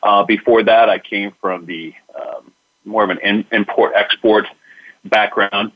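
A man from Florida, a sales executive answering interview questions in a relaxed, conversational way. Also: fairly low pitch, unhurried, muffled recording. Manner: relaxed, conversational, many fillers.

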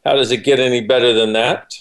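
A man co-hosts a casual chat show at a middle pitch. He speaks informally. He sounds enthusiastic as he promotes upcoming events. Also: steady tone, fast, a bit bright. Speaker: co-host.

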